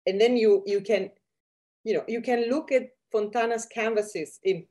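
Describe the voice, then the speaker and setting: A woman's voice: a little high, steady tone, moderate pace, warm tone. A woman speaking as a podcast guest in casual discussion, searching for words with many fillers and restarts. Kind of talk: conversational discussion.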